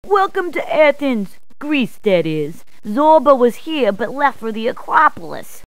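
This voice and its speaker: A brash video game policewoman. Her voice is very high and swoops widely as she gives directions. The delivery is playful, punning and emphatic, in a dry, close recording. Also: very animated, unhurried, no echo. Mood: pleased, punning. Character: brash, jokey New York policewoman giving directions. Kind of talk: scripted video game character clips.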